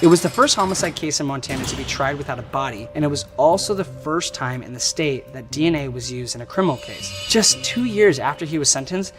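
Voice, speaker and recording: A man with a somewhat high voice tells a true crime story in a loose, casual way and drops wry, slangy jokes between the facts. Clear background music plays under his narration throughout. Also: expressive, fast, few pauses. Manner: wry, joking asides with slang. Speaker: true crime show host.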